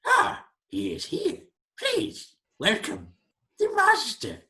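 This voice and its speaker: A man voicing a spiny creature servant in a tabletop game, speaking in broken, excitable phrases. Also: slow, exaggerated voice. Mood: fawning. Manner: broken speech, high and excitable.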